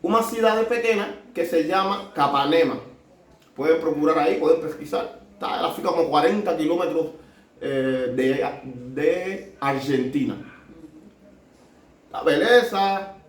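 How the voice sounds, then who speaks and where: A man with a Cuban Spanish accent telling his story as a doctor, halting often and mixing Spanish with Portuguese. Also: a little high. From Cuba. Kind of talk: casual storytelling. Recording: echoey room, mic at a distance.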